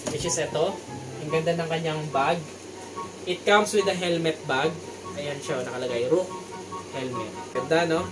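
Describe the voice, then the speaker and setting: A man's voice: fairly high pitch, moderate pace, pauses often, rough recording. A Filipino man talking casually and chattily as a vlogger doing an unboxing review, mixing in English terms. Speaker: motorcycle vlogger and product reviewer. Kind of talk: casual unboxing vlog talk. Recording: music playing behind the voice. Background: prominent guitar music.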